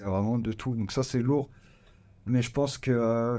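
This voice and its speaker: A man's dark, mellow tone with fairly even intonation, in a very clean recording over a silent background. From Paris region, Val-de-Marne (94). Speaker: rapper. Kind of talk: casual interview.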